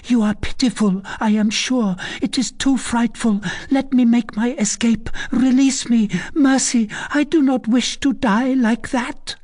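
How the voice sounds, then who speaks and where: Terrified young girl for a storybook, played by a narrator: high, fragile, breathless, imploring. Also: steady tone, a little slow, few pauses, darkish tone, close to an everyday voice. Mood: terrified pleading. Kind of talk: dramatic audiobook character voice.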